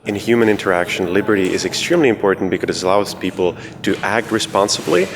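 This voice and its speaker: A young man from the Republic, a student giving measured answers in a conference interview. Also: deep voice, expressive, background noise. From Czech Republic. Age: young adult. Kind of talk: conference vox-pop interview. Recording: crowd chatter behind.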